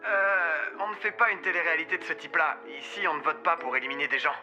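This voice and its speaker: A man voicing a nervous, eager, goofy boy in a French cartoon dub, hesitant and excitable, with music behind. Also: a little high, fast talker, dull audio, lightly acted. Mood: awkward, confiding.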